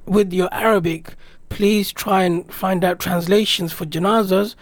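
A man's voice: high-pitched, fairly even intonation, a little slow, dry recording. A man in a radio interview who talks in an earnest, reflective, rambling way about a trip. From Britain. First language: English. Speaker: radio guest. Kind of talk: personal travel recollection in a radio interview.

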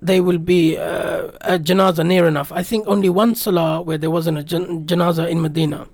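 A man's voice: on the high side, flat delivery, a little fast, gravelly, darkish tone, no room sound, clean studio sound. A man in a radio interview who talks in an earnest, reflective, rambling way about a trip. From Britain. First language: English. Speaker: radio guest. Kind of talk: personal travel recollection in a radio interview.

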